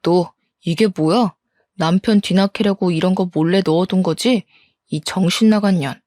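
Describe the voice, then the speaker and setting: 여자가 연기하는 뻔뻔하게 큰소리치는 중년 남편. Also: female voice, fairly low pitch, normal speed, warm tone, dry recording, clean studio sound, natural voice. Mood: scornful. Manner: blustering, scornful, defensive. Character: angry middle-aged husband caught cheating, defiant.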